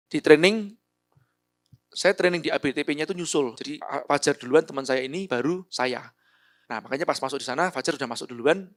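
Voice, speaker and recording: Middle-aged man, Javanese-native speaker, storytelling talk, lively rises and falls, slightly higher voice. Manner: animated storyteller, voices quotes with big pitch jumps. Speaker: motivational speaker.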